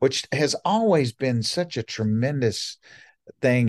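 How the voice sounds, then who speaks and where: Against a quiet background, a man speaks with a Southern US accent and lively intonation. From US South, Montgomery, Alabama. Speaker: church music minister and mentor. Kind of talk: casual interview chat.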